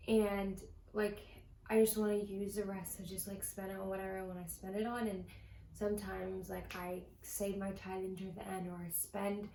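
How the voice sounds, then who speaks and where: A woman's voice: mid-range voice, gravelly, a little mellow. A young woman vlogger talking casually to the camera about her budget, chatty and full of "like" fillers. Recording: echoey room with faint ambient noise.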